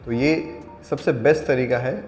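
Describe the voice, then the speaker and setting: A man teaching an acting class, explaining exercises in a calm, deliberate way and mixing in English terms. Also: medium pitch. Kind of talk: spoken acting lesson. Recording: echoey hall with faint music.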